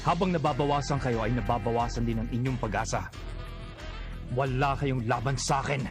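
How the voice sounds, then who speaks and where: A man's voice: mid-range voice, brisk, music in the background, natural voice. A man voicing an arrogant, menacing villain in an anime dub, taunting and scornful. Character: arrogant, taunting male villain who commands a flame servant. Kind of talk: Tagalog anime dub acting.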